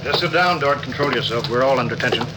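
An actor playing a stern, weary starship captain who gives clipped, commanding orders in a 1950s radio drama. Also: male voice, medium pitch, quick pace, close to an everyday voice. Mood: grim. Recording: hissy old radio broadcast.

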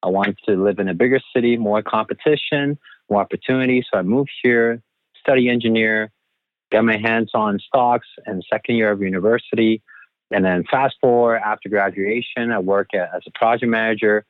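A man from Taiwan gives conversational answers as a financial coach in an interview, heard over a thin, phone-like, band-limited line. His fairly low voice keeps a steady tone at a fairly quick pace, and the recording is dry.

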